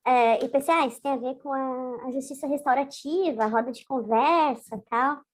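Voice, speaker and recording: A woman's voice: sits high, normal speed. A woman guest in an interview, her voice altered by a voice changer, telling her story in a hesitant, conversational way with frequent restarts. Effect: voice changer disguising the voice. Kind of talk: casual recounting in a video interview.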